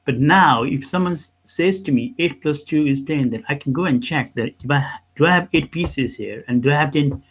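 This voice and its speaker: A man from Nepal speaking as an accountant and interview guest, telling his story conversationally in a halting way with repeated words. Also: on the high side, husky.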